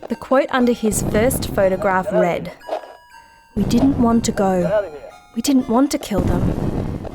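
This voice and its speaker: A woman's voice: medium pitch, natural voice, rough recording. A woman playing a curious, wry podcast host in a conversational, naturalistic audio drama style.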